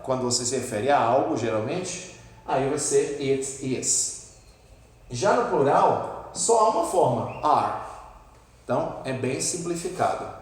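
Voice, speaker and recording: A man with a Brazilian accent teaching an English lesson in a classroom, patiently repeating words slowly to show the pronunciation. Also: a little high, a little mellow. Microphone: camera at a distance. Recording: echoey room from far off.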